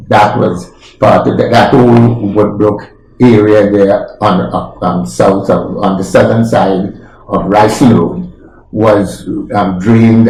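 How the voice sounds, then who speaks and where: A man's voice: lowish voice, creaky, a little mellow, roomy sound, rough recording. A man in his eighties, recalling his childhood neighbourhood in a hesitant way, often searching for words. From Trinidad. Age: 80s. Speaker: interviewee. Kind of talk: reminiscing in an interview.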